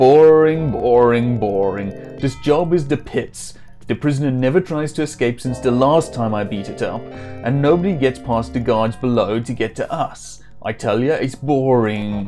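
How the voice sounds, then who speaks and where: A put-on character voice speaks in a bored, whiny tone at a low-to-middle pitch and a moderate pace. Clear music plays in the background. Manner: bored, whiny, thuggish.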